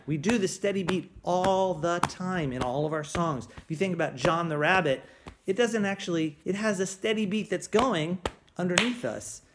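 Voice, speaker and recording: Gentle man teaching music to little kids. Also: high-pitched, noisy background. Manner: gentle, encouraging, talks slowly to young children. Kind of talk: children's music lesson. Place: at home on a bed.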